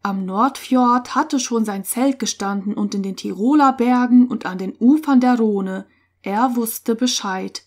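Woman storyteller, slow measured reading, expressive, fairly high voice. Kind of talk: scripted narration of a Christian children's story.

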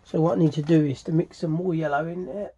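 A middle-aged man giving a casual hands-on tutorial as a restorer, haltingly thinking aloud as he works. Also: fairly high pitch, fairly even intonation, warm tone, breathy edge, muffled recording. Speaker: furniture restorer demonstrating his work. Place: small cluttered indoor workshop.

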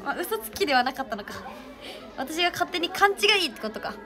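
Bright high-voiced young woman. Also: sing-song, fast talker. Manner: chatty, thanks fans by name. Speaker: idol reading fan names. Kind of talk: casual livestream chat.

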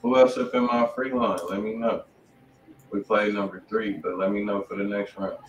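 A man's voice: fairly low pitch, flat delivery, normal speed, echoey room, far from the mic, highs cut off, over loud music. Slangy laid-back man on a headset. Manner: laid-back slangy banter, swears freely. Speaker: host. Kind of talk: casual livestream chat.

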